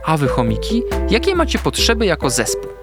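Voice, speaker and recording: A man voicing a wise, calm female owl who speaks in a measured, gentle way. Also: fairly high pitch, over loud music, pitched above the performer's own voice.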